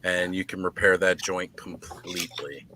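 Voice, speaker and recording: A man's voice: deep voice, steady tone, moderate pace. A man chatting casually as the host of a live stream. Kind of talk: casual chat. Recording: noisy live stream with clicks.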